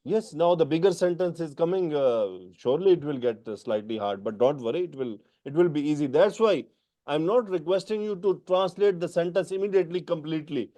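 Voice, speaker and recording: A man's voice: fairly high pitch, expressive, brisk, dark tone. A man whose first language is Urdu, with a South Asian accent, teaching Quran grammar in an online class and patiently correcting students. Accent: South Asian English. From Pakistan or India. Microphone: video call.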